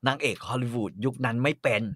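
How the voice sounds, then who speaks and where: A man chatting casually, telling stories in a relaxed way with frequent swearing. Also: medium pitch, very fast, no echo, clean studio sound. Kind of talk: casual chat.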